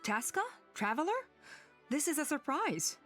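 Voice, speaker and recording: A woman's voice: high voice, sing-song, moderate pace, a bit bright, soft background music. A woman playing a composed, reassuring tribal elder in a video game. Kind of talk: scripted game character acting.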